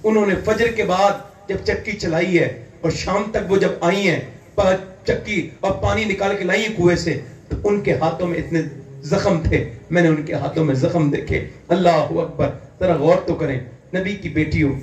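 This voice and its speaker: A man from India preaching an impassioned sermon, fervent and building to loud emphatic peaks. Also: high-pitched. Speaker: Islamic preacher. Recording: echoey hall, distant mic, faint ambience.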